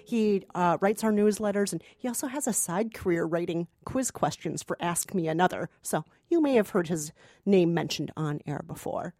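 A woman's voice: on the low side, animated, normal speed, warm tone, no room sound, studio quality. A woman co-hosting a movie podcast in a casual, conversational, amused way. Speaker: podcast co-host.

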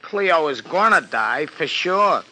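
Give this one a high, very sharp, forceful voice: an anxious New York florist, devoted to his wife and close to tears. He talks in slangy tough-guy street talk with mangled grammar, in the manner of 1950s radio drama. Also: big pitch swings, takes it slowly, a little hiss or hum, exaggerated voice, rough recording. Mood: tearful, glum.

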